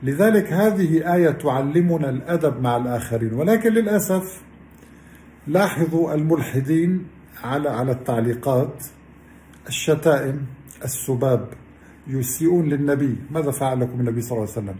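A man's voice: on the high side, a little fast, dark tone, roomy sound, slight background noise. Earnest man giving a religious lesson. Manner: earnest, addresses listeners as beloved ones. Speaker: Islamic science lecturer. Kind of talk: religious explanatory talk.

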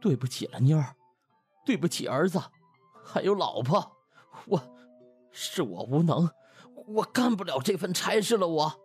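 A man's voice: fairly high pitch, animated, measured pace, long pauses, a little mellow, slightly rough, faint music behind, voice pushed up, heavily acted. A man voicing a desperate, pushy butler in an audiobook, stammering and pleading in colloquial speech. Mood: dejected. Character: anxious, desperate, pushy male household butler.

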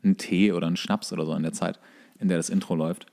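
A man's voice: sits low, steady tone, rapid-fire, creaky, warm tone. A man co-hosting a casual chat podcast, explaining things in a colloquial way. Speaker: podcast co-host. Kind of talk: casual chat about series.

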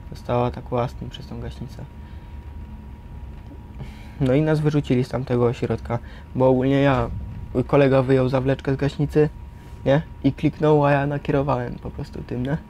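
A teenage young man speaks in a dark, relaxed voice with little pitch movement. He tells his story colloquially, full of question tags, over faint noise. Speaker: resident of youth correctional centre. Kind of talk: casual personal account.

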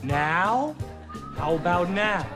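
An actor playing a childishly competitive man in a family sitcom, gloating and taunting with drawn-out words. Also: high-pitched, big pitch swings, heavily acted. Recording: loud music and crowd, off-mic.

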